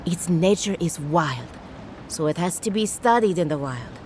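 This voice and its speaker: An actress as a quirky woman scientist in a video game, clinical and patronizing. Her pitch leaps about theatrically, with a sing-song lilt and faint noise behind her. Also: lively intonation, normal speed, a little mellow, close to an everyday voice. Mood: brisk, clinical. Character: eccentric, condescending woman researcher, fascinated by her specimen. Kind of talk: video game character dialogue.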